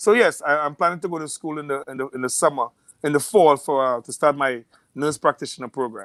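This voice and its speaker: A very fast man's voice at a fairly high pitch, with ordinary pitch variation and big swings in loudness, dry and close with no echo, on a very clean recording with a silent background. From Trinidad and Tobago. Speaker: nurse and former paramedic. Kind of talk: casual chat.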